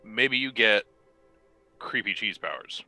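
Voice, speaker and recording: Bright-voiced, playful man joking. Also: lowish voice, slow, no room sound, soft background music. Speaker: tabletop game player. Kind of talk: casual role-play banter.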